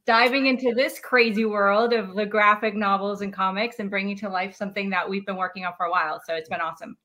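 A woman from Mexico City, a native Spanish speaker, chatting as a podcast guest. Her voice is bright and clear at a middle pitch, and she talks in a friendly, chatty way. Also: steady tone, fast. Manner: chatty, friendly, quotes others lightly. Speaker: guest, writer and director. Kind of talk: casual interview chat.

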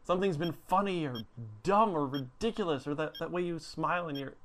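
A devoted man at his lover's hospital bed pleads tenderly, stumbling over his words, as an actor plays him. His voice sits a little high and sounds bright and clear. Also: brisk, a little hiss or hum, natural voice. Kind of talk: TV drama acting.

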